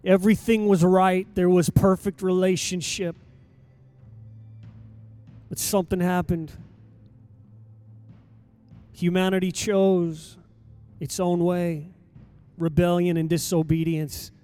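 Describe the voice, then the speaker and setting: A pastor preaching a sermon in a church, with emphatic delivery and dramatic pauses. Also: male voice, high-pitched, little pitch movement, dark tone, clean tone, faint music behind. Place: church sanctuary.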